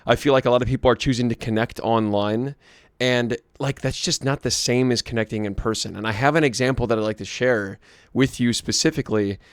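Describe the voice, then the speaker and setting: A hoarse young man vlogging, telling a rambling story to camera with many restarts and asides. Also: medium pitch, steady tone, fairly quick, dry recording, studio quality.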